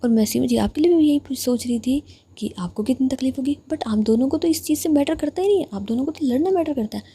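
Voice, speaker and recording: A woman's voice: high voice, fast, mellow, slightly rough, full character voice. A woman voicing a caring older sister who soothes and scolds two quarrelling young women. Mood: reproachful.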